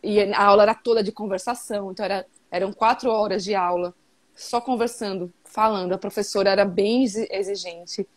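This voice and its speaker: A woman's voice: medium pitch, fairly even intonation, a little fast. A woman from Brazil in her thirties, talking casually and emphatically as an interview guest over a video call. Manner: chatty, emphatic, many fillers.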